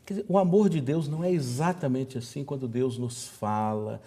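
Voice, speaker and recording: A Brazilian pastor speaks with enthusiasm and frequent exclamations on a Bible talk show. His voice is relaxed, warm and a bit husky. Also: mid-range voice, moderate pace. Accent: Brazilian Portuguese. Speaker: pastor, guest. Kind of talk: reflective religious discussion.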